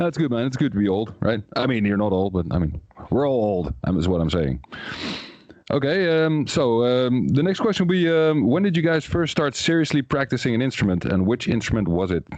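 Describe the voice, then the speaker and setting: A man with a Dutch accent at medium pitch, fairly quick, with very wide pitch swings and very even loudness. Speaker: interviewer. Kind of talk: casual interview. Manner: animated.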